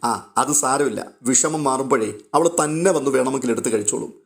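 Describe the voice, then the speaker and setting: A man voicing a cold, sharp-tongued older aunt who speaks dismissively. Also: medium pitch, a little fast, creaky, natural voice. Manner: dismissive, harsh.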